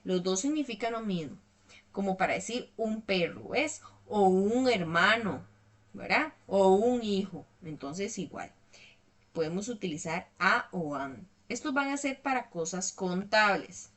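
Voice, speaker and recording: A woman's voice: mid-range voice, animated, measured pace, fairly bright tone. A woman teaching an online English lesson, explaining patiently step by step and checking in often with her students.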